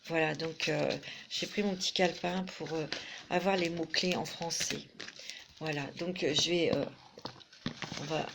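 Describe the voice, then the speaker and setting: A woman's voice: sits low, creaky, noisy background. A middle-aged woman giving a chatty tarot reading to camera, full of fillers and restarts. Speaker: tarot reader.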